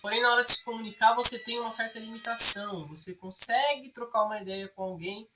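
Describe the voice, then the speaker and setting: A man's voice: very high-pitched, fairly even intonation, fast, pushed and bright. A man with a Brazilian Portuguese accent, explaining in a chatty way for an English-learning video and often checking in with the viewer. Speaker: English teaching YouTuber.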